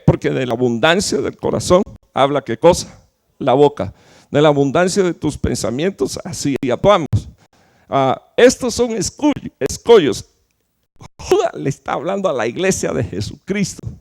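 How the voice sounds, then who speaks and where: A man preaching in a fairly high voice that leaps upward on the words he stresses, then sinks low and soft. He quizzes the congregation with questions and often restarts a phrase mid-thought, delivering it from a church stage mic. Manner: emphatic preaching, rhetorical questions, swings between loud peaks and low drops; fillers and restarts while explaining. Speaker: pastor. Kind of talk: sermon.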